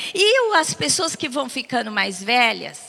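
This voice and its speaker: With a raised, projected voice and very wide pitch swings, a woman speaks at a fairly slow pace over noticeable background noise. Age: 60s. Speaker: pastor. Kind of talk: sermon. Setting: church with congregation.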